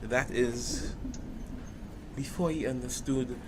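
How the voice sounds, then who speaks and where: A man's voice: medium pitch, fairly even intonation, slow pace, natural voice. A man with a Caribbean accent playing a flamboyant, gossipy, sympathetic gay confidant in a conversational audio drama, theatrical and sassy. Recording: noticeable background noise.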